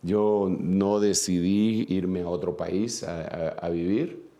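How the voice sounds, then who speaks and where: Guatemalan preacher, male, earnest sermon delivery with repetitions, low gravelly voice. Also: fairly even intonation, takes it slowly, mellow. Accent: Guatemalan Spanish. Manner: earnest, repeats phrases for emphasis, fillers and restarts. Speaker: apostle and preacher.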